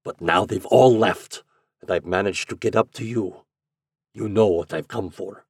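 A man voicing a menacing elderly father in a storybook, gruff, impatient and full of suppressed passion. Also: on the low side, unhurried, no echo, studio quality. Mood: gruff menace. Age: older. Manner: impatient, vehement, pressing. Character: menacing, desperate elderly father demanding money from his son.

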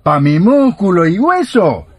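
An actor playing an aggrieved working-class Argentine village husband in radio theatre, colloquial and emphatic. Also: male voice, sits high, very animated, measured pace, a little mellow, husky, full character voice. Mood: emphatic, dismissive.

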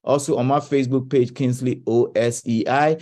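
A man's voice: medium pitch, steady tone, normal speed, a little mellow. A man hosting a radio talk show, giving impassioned commentary with stumbling restarts.

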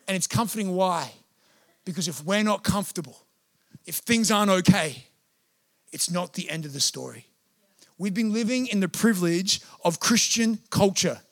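A man preaches from the pulpit in a high, light voice. He keeps it lively, jumping into playful quoted voices before dropping into slow, earnest stretches. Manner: animated, acts out voices and quotes. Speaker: pastor. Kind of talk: sermon.

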